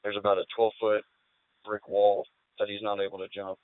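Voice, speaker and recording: Tinny police radio, male officer, low even voice, matter-of-fact directives, clipped phrasing. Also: a little fast, clear, resonant tone, no room sound. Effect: two-way radio. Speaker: police officer coordinating a search over radio. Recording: tinny narrowband police radio scanner feed.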